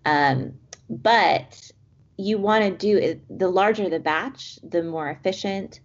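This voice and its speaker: A woman's voice: medium pitch, slow, highs cut off, slight background noise. A woman guest in a casual chat who explains her work thoughtfully, with many fillers. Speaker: guest, coffee roaster.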